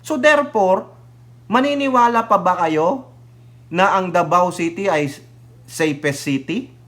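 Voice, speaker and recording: A man's voice: sits high, a little slow, a bit bright. A man giving casual political commentary on his vlog, sarcastic and mocking, laughing often and talking straight to his viewers. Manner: addresses viewers directly. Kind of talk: casual commentary reading and reacting to news.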